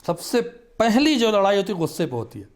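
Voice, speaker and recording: A man speaks as a guest on a studio talk show, earnest and emphatic as he explains his point. His voice sits a little higher than most men's. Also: big pitch swings. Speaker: religious scholar guest.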